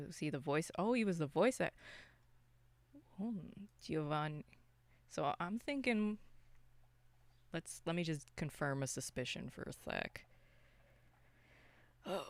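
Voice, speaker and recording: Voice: mid-range voice, expressive, unhurried, long pauses, dry recording. A podcast co-host chatting casually about films in a loose, rambling, unscripted way. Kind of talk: casual unscripted film discussion.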